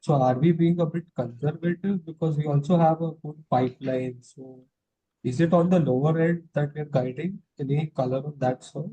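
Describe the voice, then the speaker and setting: Man, quiet polite questions, dark husky voice, muffled line. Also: fairly high pitch, normal speed. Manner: soft-spoken, polite, says sir often. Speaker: analyst asking questions. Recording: muffled phone-line call.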